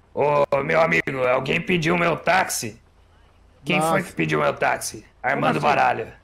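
A man with a fairly high-pitched voice speaks at a moderate pace. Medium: game stream.

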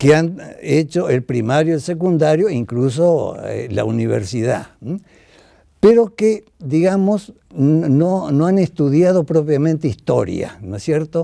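The tone is dark and mellow, with lively intonation at a very slow pace. The sound is dry with no echo, and the background is quiet. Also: man, fairly high pitch for a man. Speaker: retired history teacher and author; retired history teacher. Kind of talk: interview. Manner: halting, many fillers. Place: studio.

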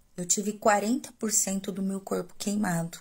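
With fairly even intonation, the woman's voice comes across somewhat breathy. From São Paulo interior, Brazil; São Paulo, Brazil. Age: 40s. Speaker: teacher, burn survivor. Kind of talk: recorded testimony. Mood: earnest, recounting painful experience. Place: home room. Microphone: phone near.

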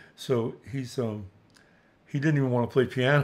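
A man speaks with ordinary pitch variation. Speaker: guest. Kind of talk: interview answer. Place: studio. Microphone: studio mic.

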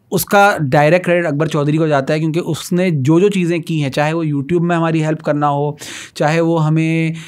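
Over a quiet background, a man's fairly high, normal speaking voice keeps a fairly even intonation at a moderate pace. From Pakistan. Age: 30s. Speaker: stand-up comedian and rapper; podcast guest, comedian. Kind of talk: casual interview chat. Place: studio. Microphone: studio mic.

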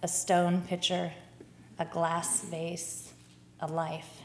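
A woman speaks quietly and very slowly, with audible room echo. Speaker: poet reading her own poems. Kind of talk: poetry reading on stage. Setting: stage with audience. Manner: slow, hushed, measured and tender; lyrical, expressive. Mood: calm, tender. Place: stage. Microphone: podium.

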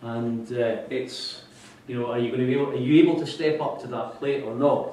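Audible room echo surrounds a man speaking in a Scottish accent with ordinary pitch variation. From Scotland, Kinross-shire. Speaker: businessman. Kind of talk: lecture. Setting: lecture theatre with audience. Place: hall. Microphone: camera far.

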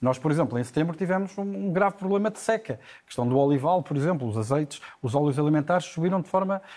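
A man speaks very fast in a European Portuguese accent, his pitch fairly high and his intonation lively. The background is quiet. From Portugal. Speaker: economist; economics commentator. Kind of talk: TV news analysis. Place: studio. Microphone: lapel.

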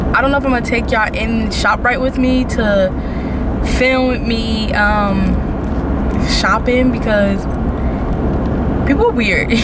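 A woman talks at a fairly slow pace. Loud background noise is present, and the sound is dry with no echo. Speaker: vlogger. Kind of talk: casual vlog chat. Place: car. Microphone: camera far.

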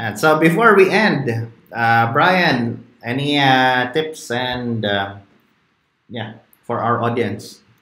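A man's very slow delivery with lively intonation and audible room echo. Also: medium pitch for a man. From Philippines. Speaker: quiz show host, cloud tech community; quiz show host. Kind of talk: quiz chat. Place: home room. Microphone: webcam.

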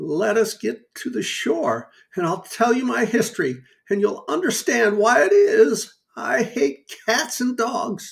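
A fairly slow pace in a put-on character voice. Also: man, high pitch for a man. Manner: pale with passion, emotional.

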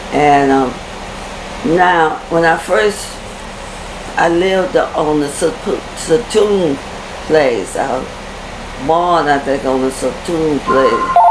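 Very slow delivery with long, frequent pauses, ordinary pitch variation, and noticeable background noise. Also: woman, fairly low pitch for a woman. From Denham Springs, Louisiana. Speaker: oral history interviewee. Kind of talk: interview answer. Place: home room.

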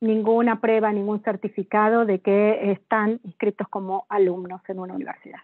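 A woman speaks at a fairly high pitch with an ordinary speaking voice. Her pace is fairly slow. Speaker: program manager. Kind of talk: informational presentation. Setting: video call.

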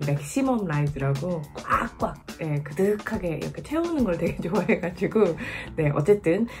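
A woman's fairly low voice with very wide pitch swings, music playing behind her. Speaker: Chinese language teacher. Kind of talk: casual talk to camera.

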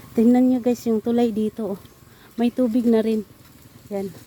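This woman's voice sits at a fairly high pitch. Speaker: vlogger. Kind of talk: casual vlog narration. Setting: outdoors. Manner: stumbling over words.

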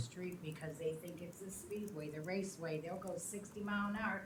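Room echo is audible as a woman speaks with fairly even intonation. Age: 70s. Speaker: resident giving public comment. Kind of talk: public comment at council meeting. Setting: council chambers.

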